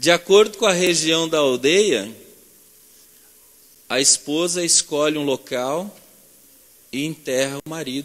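Long pauses come often in this fairly slow speech, whose pitch varies an ordinary amount. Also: man. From Brazil. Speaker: Lutheran pastor. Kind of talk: sermon delivered to a congregation. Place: church.

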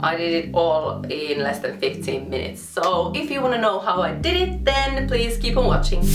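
Clear music plays behind a woman who speaks at a moderate pace with hardly any pauses. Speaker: beauty vlogger. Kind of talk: casual vlog chat. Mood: cheerful, relaxed. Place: bathroom. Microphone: camera far.

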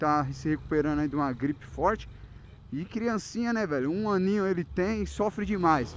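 A man's high-pitched voice at a moderate pace, dry with no echo, over light background noise. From Brazil. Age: 20s. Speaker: motorcycle vlogger and riding instructor; motorcycle vlogger, riding instructor. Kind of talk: casual vlog. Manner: animated. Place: motorbike.

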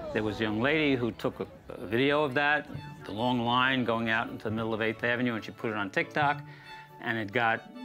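With music in the background, a man talks fairly quickly at medium pitch with ordinary pitch variation. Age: 80s+. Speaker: amateur astronomer. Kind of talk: interview answer and street chat.

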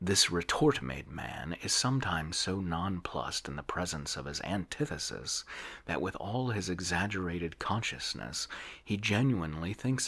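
A man with a very deep, low pitch and a bright, sharp tone talks at a moderate pace, his intonation lively and touched with vocal fry. The recording is very clean, the background silent. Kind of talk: ASMR reading aloud of a classic novel, the narrator's monologue. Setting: studio, close-mic ASMR recording.

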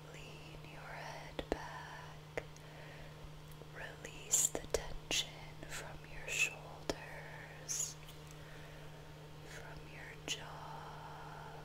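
A woman speaks at a very slow pace over loud background noise. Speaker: reiki practitioner. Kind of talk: ASMR reiki session. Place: home room. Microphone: studio mic.

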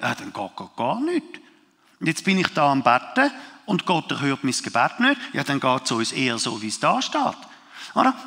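A man pauses often and at length while keeping a moderate pace. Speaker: preacher. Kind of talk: live sermon. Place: stage.

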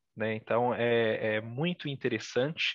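A man at a very slow pace, dry sound with no echo, quiet background. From Brazil. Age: 30s. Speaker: lawyer and researcher; lawyer. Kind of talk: interview. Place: home room. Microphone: video call.

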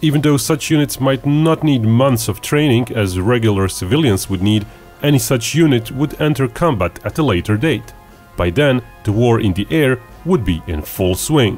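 Over music in the background, a man talks at a moderate pace with lively intonation. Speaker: narrator. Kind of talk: documentary narration.

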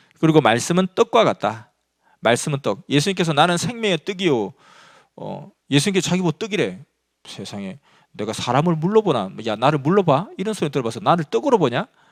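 Speaking at a fairly quick pace, a man uses a fairly high pitch with very wide pitch swings, an animated tone and vocal fry. The sound is dry and close with no echo, on a very clean recording with a silent background. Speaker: Bible teacher. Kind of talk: Bible teaching talk.

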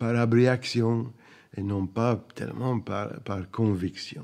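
Over a quiet background, a dark, mellow tone comes through at a very slow pace with an English accent. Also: man. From northern England, Preston (Lancashire); northern England. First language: English (speaking French). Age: 70s. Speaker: anthropology professor. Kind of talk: interview testimony. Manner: hesitant, repeats words. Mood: reflective, animated hands. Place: home room.

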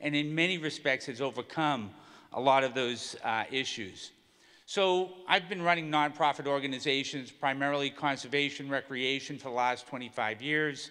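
With a bright, sharp tone and fairly high pitch, a man talks at a moderate pace with ordinary pitch variation against a quiet background. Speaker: environmental advocate; conference speaker. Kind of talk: conference speech. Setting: stage with audience. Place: hall. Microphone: podium.

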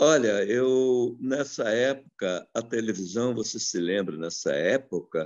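At a very slow pace and with hardly any pauses, a man speaks at medium pitch with ordinary pitch variation against a quiet background. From Brazil, Rio de Janeiro. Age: 80s+. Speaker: actor and voice actor; actor interviewee. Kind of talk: interview; interview answer. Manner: halting. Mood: warm, nostalgic. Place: home room. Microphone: video call.

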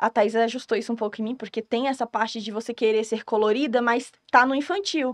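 In a quiet background, a woman with an ordinary speaking voice talks at a fairly quick pace with hardly any pauses, her fairly high pitch carried by fairly even intonation. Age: 20s. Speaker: social media manager; podcast guest. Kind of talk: casual chat. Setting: studio. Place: studio. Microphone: studio mic.

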